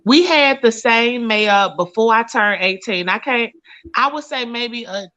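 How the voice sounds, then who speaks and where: A woman's voice: fairly high pitch, a little slow, a bit bright. A blunt, profane woman, hosting a casual talk show. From Mississippi, US. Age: late 30s. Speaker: host. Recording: lo-fi stream audio.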